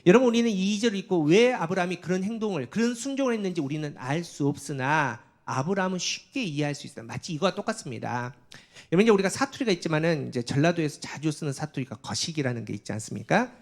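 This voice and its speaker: A man's voice: fairly high pitch, expressive, quick pace. A male pastor giving a sermon, often addressing the congregation and acting out prayers and divine speech with rising intensity.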